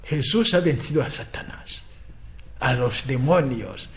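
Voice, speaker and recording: A man from Africa preaching a sermon, speaking in halting phrases, restarting and repeating words, often checking in with his listeners. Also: expressive. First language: a language of his homeland. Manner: chanting repeated proclamations with rising pitch.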